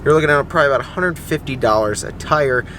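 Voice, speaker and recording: A man's voice: a little high, fast, fairly bright tone, slight background noise. A man chatting casually and off the cuff, as a vlogger giving a product review. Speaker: vlogger reviewing truck tires. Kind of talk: casual chat, off-the-cuff vlog.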